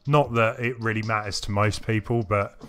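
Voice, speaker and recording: A man's voice: fairly low pitch, steady tone, normal speed, a bit bright. A man live-streaming a video game, chatting casually and a little ramblingly with his viewers. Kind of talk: casual livestream chat to viewers. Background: music playing behind the voice.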